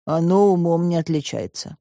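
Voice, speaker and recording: A woman voicing a boastful, hot-headed young boy who talks brashly and excitably. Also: fairly low pitch, normal speed, creaky, no echo, studio quality.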